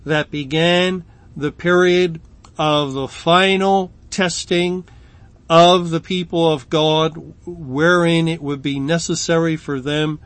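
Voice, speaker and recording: A middle-aged man teaching through Bible verses in an unhurried, halting way, often restarting words and pausing with fillers. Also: on the high side, a bit bright, no room sound. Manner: slow, halting delivery with frequent restarts and fillers.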